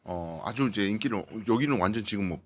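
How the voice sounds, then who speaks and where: Lively Daegu man on a political panel. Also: quick pace. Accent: Gyeongsang (Daegu). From Daegu, South Korea. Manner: animated, mimics quoted speech with big pitch jumps. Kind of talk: political talk show discussion. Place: studio.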